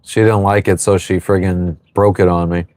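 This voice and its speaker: Here the host, a man in his thirties, talks at a normal speed in a low, darkish voice with flat delivery. He's livestreaming casually from his anchored sailboat, responding offhandedly to comments and cursing freely.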